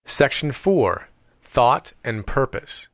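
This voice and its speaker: Man narrating with lively, varied intonation. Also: medium pitch, slow pace, no room sound, studio quality. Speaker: audiobook reader. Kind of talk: scripted audiobook narration.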